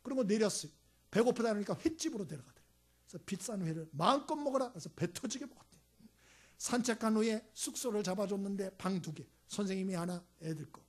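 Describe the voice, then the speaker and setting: Husky-voiced male pastor preaching emphatically. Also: high voice, fast. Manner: emphatic preaching, swings between loud exclamations and hushed asides; tells anecdotes acting out voices. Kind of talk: sermon.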